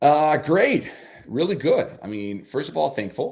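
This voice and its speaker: With a Spanish accent, a man speaks at a fairly slow pace on a very clean recording with a silent background. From Venezuela. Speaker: sports broadcaster. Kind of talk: casual interview.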